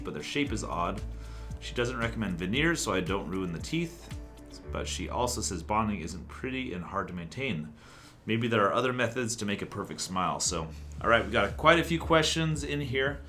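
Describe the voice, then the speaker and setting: Man calmly explaining as an orthodontist. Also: medium pitch. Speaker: orthodontist answering viewer questions. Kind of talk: casual explanatory Q&A to camera.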